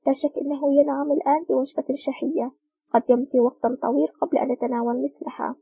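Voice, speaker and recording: A woman reading the lines of a smug, soft-spoken male villain boss in an audiobook, sly and mocking. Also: extremely high pitch, fairly even intonation, quick pace, no echo, highs cut off.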